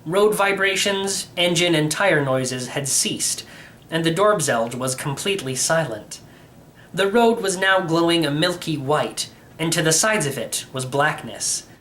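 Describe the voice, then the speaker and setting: A man's voice: a little high, fairly bright tone, a little hiss or hum. A man reading first-person story narration from a script, as an audiobook reader.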